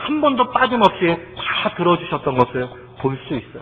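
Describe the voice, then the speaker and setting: A man is speaking. His pace is moderate. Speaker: preacher. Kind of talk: sermon for children. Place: church.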